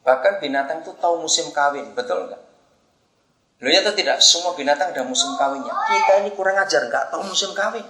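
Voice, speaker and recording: A man's voice: on the high side, fast, roomy sound, very noisy. A man preaching a sermon, telling stories animatedly and pressing the congregation to answer. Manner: animated storytelling, asks the congregation for responses.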